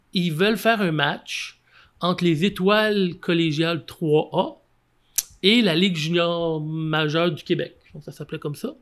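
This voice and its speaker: Man, Québécois accent, fairly high voice, animated storytelling with fillers, casual interview. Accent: Québécois French. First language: French. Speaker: football coach guest.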